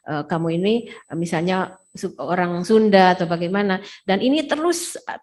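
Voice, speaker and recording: A woman's voice: lowish voice, darkish tone. A woman interpreting a lecture over a video call, rephrasing each passage with frequent hesitation fillers. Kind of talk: consecutive interpreting.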